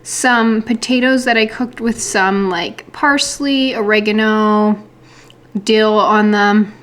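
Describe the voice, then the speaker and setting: A woman's voice: medium pitch, steady tone, slow pace, fairly bright tone. A woman chatting casually to the camera as a vlogger, indoors at home. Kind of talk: casual vlog chat. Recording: light ambient background noise.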